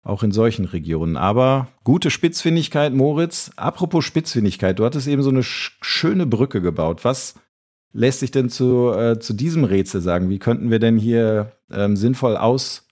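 A man's voice: medium pitch, lively intonation, normal speed, a little mellow. A man co-hosting a podcast in casual chat, rambling and correcting himself as he talks. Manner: rambling, self-correcting, hesitant. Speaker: podcast co-host.

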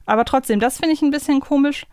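A woman's voice: sits high, quick pace, darkish tone, no echo, studio quality. A woman co-hosting a casual fan podcast, chatting and musing as she thinks aloud. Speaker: podcast co-host.

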